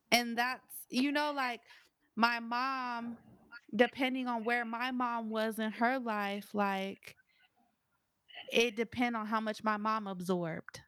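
Flat-voiced young woman in a chat. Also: fairly high pitch, no room sound. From United States. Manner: rambling, thinks aloud with many fillers. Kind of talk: casual discussion.

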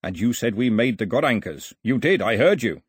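A man voicing a big, strong, stubborn man who speaks slowly and solemnly, weighing each word. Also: expressive, breathy edge, dry recording, clean studio sound. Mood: challenging. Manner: slow, solemn, rumbling.

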